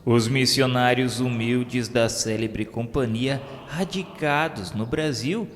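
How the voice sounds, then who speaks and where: A man's voice: medium pitch, slight background noise. A Brazilian man reads a scripted radio novela narration in a solemn, formal, declamatory manner. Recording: long reverb, music behind. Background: music.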